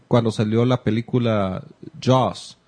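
A man's voice: medium pitch, fairly even intonation, measured pace, darkish tone. A man with a Salvadoran accent co-hosting a podcast, reminiscing casually about childhood collectibles. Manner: nostalgic, reminiscing. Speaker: podcast co-host. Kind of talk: casual chat.

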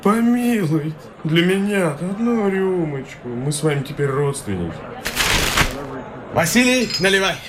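Radio play: high-voiced, obsequious young clerk, audible room noise. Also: male voice, big pitch swings, unhurried. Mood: fawning. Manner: fawning, obsequious, eager to treat. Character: fawning young clerk Belogubov, obsequious man.

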